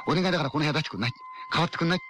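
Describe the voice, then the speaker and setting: A man voicing a frightened elderly woman patient who pleads quickly and insistently in a spoken ghost story. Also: a little high, noisy background, close to an everyday voice. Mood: pleading.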